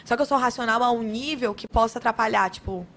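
Fast-talking young woman from Acre. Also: on the high side, a little hiss or hum. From Acre, Brazil. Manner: fast, animated storytelling. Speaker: podcast guest. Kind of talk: casual chat.

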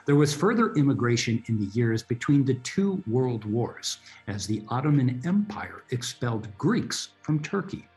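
A man's voice: medium pitch, big pitch swings, normal speed, few pauses, a little mellow, faint music behind. An American man hosting an interview podcast, reading an introduction and asking questions with emphatic delivery. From United States. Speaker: podcast host.

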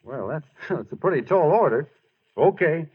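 A man's voice: a little high, animated, normal speed, slightly rough. A man playing a modest, earnest, bashful baseball star in a 1940s radio drama, speaking plainly. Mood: gentle, encouraging. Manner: plain-spoken, hesitant, understated. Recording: muffled old radio broadcast.

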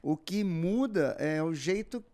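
A man's voice: on the high side, takes it slowly. A Brazilian man, a voice actor, telling stories in a casual podcast chat and laughing often. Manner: animated storyteller, laughs often.

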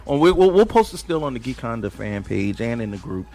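A man's voice: mid-range voice, very animated, a little fast, creaky, a crowd in the background. A man co-hosting a casual pop-culture podcast, joking around and laughing often. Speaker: podcast co-host.

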